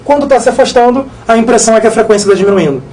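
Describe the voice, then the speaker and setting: A man teaching a live exam-prep physics lesson, energetic, joking and repeating himself. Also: extremely high pitch, rapid-fire, rough recording.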